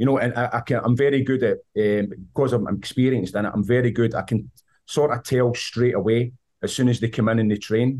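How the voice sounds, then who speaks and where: In a Scottish accent, a man talks at a fairly quick pace with a medium pitch and very even loudness. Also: fairly even intonation. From Scotland. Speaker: goalkeeping coach. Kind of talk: casual interview. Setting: video call.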